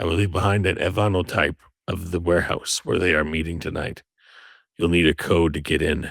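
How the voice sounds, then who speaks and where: A gravelly, raspy put-on character voice at a moderate pace, with fairly even intonation and a dry, close sound with no echo. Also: man. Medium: read story. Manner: low, clipped, secretive.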